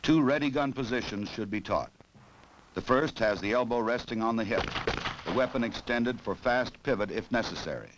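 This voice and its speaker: An American man reading scripted 1960s training film narration in a formal, measured, authoritative way. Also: mid-range voice. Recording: noisy old film soundtrack.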